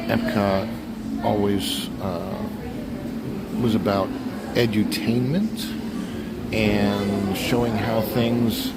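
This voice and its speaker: Man livestreaming casually amid loud noise. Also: lowish voice, fairly even intonation, extremely slow, pauses often. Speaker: livestream host. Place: on a moving theme park boat ride. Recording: very noisy live ride recording. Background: loud ride ambience and hum.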